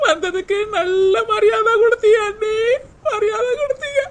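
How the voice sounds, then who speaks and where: A woman's voice: very high voice, normal speed. A woman voicing a humble young married sister in a cartoon drama, pleading and tearful.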